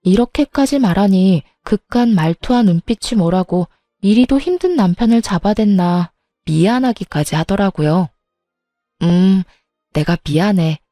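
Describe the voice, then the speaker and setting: A woman narrating a personal story in the first person in a calm, confiding way. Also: mid-range voice, moderate pace, no room sound, studio quality, faint music behind.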